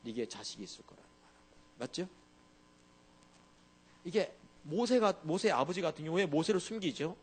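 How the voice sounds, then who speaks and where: A man's voice: on the high side, very animated, normal speed, long pauses, a little hiss or hum. A male pastor preaching a sermon in a conversational way, often asking the congregation to agree with him.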